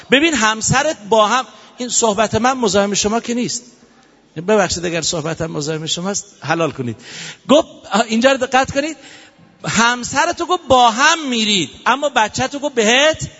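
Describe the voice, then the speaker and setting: A man giving a playful, animated sermon to a live audience, prompting applause, in a dull recording with long hall reverb. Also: extremely high pitch. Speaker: religious speaker.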